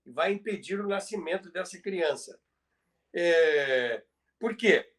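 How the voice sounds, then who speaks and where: High-pitched, slow-talking older Brazilian man. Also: animated, fairly bright tone. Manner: emphatic, repeats phrases, halting delivery. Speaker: podcast host and storyteller. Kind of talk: conversational retelling of radio history.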